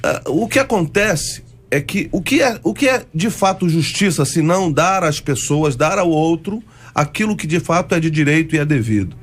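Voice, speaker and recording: A Brazilian pastor lays out his reasoning step by step on a radio panel. His voice sits a little high for a man, and he moves steadily through the argument. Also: expressive, normal speed, husky. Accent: Brazilian Portuguese. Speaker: pastor, debate guest.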